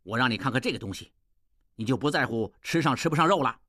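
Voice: medium pitch, animated, fast, fairly bright tone, dry recording, clean studio sound. An actor voicing a curt, disdainful official. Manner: disdainful, terse. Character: aloof male official, curt.

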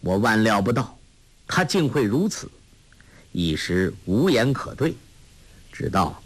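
A man voicing a gentle, grave old monk who speaks in a measured, soft way, in a storybook reading. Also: fairly low pitch, very animated, heavily acted. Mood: subdued.

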